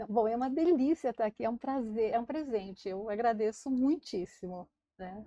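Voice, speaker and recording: A woman with a fairly high pitch and a dark, mellow tone talks at a moderate pace with ordinary pitch variation. The sound is dry and close with no echo, and the background is quiet. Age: 70s. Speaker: sociologist, social entrepreneur. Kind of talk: interview, personal storytelling.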